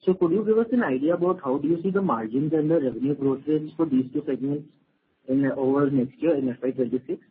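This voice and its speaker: A man's voice: on the high side, fast talker, husky. A man, an investment analyst who asks structured questions on an earnings call and often ends them with "right?". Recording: phone-line call audio with faint noise.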